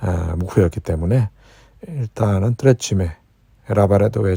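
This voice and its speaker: A man speaks at a moderate pace in a fairly low, somewhat breathy voice with a dark, mellow tone and ordinary pitch variation. The sound is dry and close, with no echo. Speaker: travel vlogger. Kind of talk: travel vlog narration. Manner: halting, many filler sounds.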